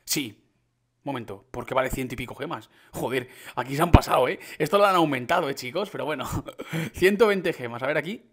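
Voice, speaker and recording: A young man with an accent from Spain, reacting to a game update and talking it through for his viewers, keeping his voice down late at night until excitement breaks through. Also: medium pitch, a little fast. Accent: Spain Spanish. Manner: hushed and restrained, bursting into excited exclamations. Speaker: gaming youtuber.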